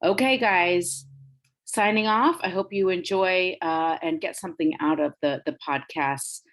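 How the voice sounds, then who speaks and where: Low-voiced chatty woman podcast host. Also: a little slow. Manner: warm, chatty, many ums, laughs easily. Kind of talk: casual interview chat.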